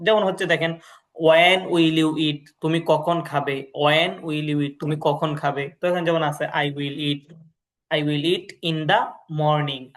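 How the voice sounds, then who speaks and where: A man teaching a class, saying English phrases slowly and again and again, then explaining them quickly and asking his learners questions. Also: fairly high pitch, a bit bright. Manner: addresses learners directly, asking check questions. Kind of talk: classroom lesson, explaining in Bengali.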